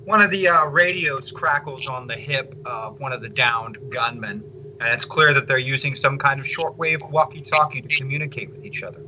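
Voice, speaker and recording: A man narrating a tabletop game as game master, in measured, descriptive narration. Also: mid-range voice, bright, forceful tone, slight background noise, poor audio.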